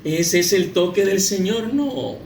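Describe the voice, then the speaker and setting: A man preaching a sermon with an animated manner, telling a humorous story and voicing its characters. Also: high-pitched, moderate pace. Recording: echoey room with faint noise.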